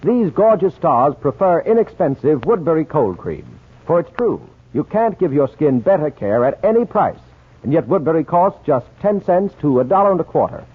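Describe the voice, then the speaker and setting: Animated male 1940s radio announcer. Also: moderate pace, slightly rough. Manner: polished sales pitch addressed to women. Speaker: radio announcer reading commercial. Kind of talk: scripted 1940s radio advertising. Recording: tinny, narrow old radio recording.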